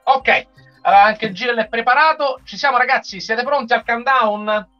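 A man's voice: very high voice, normal speed. A middle-aged man hosting a casual watch-along on a video call, chatting and joking. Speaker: host of a group livestream. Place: room at home. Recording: dull compressed stream, music behind.

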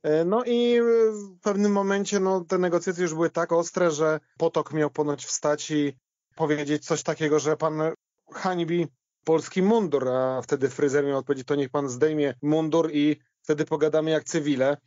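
A man with a slightly high voice tells anecdotes in a conversational podcast style. The sound is dry and a little dull. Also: steady tone, normal speed, a little mellow, no room sound.

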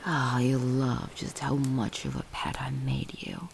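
A woman playing a possessive, manipulative ex-girlfriend in an ASMR audio roleplay, condescending and volatile, with teasing, lingering, breathy delivery. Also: rumbling low, animated, measured pace, a little hiss or hum, heavily acted. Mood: teasing, intimate. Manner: condescending, teasing, lingering on words, often breathy half-whispers.

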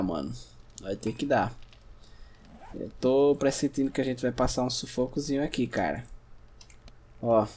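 A man from Brazil talks his way through a survival game in a relaxed, mid-range voice, thinking aloud and teasing the enemies. Now and then he shouts in surprise. Faint typing and room ambience sit behind him. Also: mid-range voice, slight background noise. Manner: chatty, talks to himself and the audience, bursts into shouts at scares. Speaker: gameplay streamer. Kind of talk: casual gameplay commentary.

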